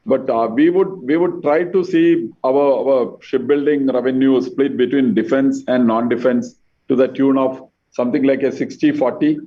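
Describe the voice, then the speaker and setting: Male executive answering on a conference call, measured and halting, sitting back from a muffled mic. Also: medium pitch, fairly even intonation. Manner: measured, halting, repeats words. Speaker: company executive. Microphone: conference call line. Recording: dull conference-call audio, distant.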